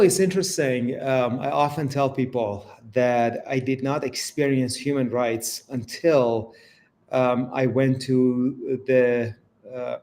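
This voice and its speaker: A man's voice: mid-range voice, darkish tone. A middle-aged man from Iran, a guest author speaking earnestly in an interview and growing emphatic about injustice. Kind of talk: interview conversation.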